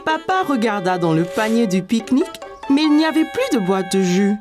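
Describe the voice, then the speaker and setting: A woman narrating a cartoon for small children in a gentle, clear storytelling manner. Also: on the high side, sing-song, fairly quick, over music.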